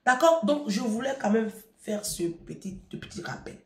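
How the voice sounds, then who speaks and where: A woman's voice: fairly high pitch, lively intonation, moderate pace, a little mellow, echoey room. A woman from Africa talking casually to an audience, telling a personal story and then giving emphatic parenting advice, addressing listeners directly and repeating phrases.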